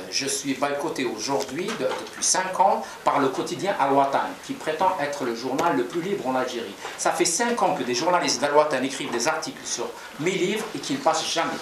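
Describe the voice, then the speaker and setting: A man's voice: medium pitch, lively intonation, normal speed, background noise. A man in his forties, a Kabyle-born novelist, giving thoughtful, hesitant interview answers in a small office. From Algeria, Kabylie. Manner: reflective, gestures while talking, many hesitations. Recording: echoey room from far off, crowd murmur.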